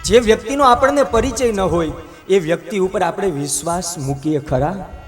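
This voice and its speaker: A man's voice: sits high, moderate pace, faint music behind. A man with a Gujarati accent telling a devotional story as a sermon at a temple, his delivery impassioned and building to emphatic appeals. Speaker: katha storyteller. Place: temple katha gathering.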